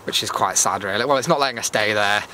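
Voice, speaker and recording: British man, forceful bright tone, medium pitch, chatty and meandering, casual vlog host, outdoor recording with clear background noise. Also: quick pace. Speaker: YouTube vlogger and host. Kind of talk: rambling casual walk-and-talk vlog. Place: outdoors on a cold evening walk.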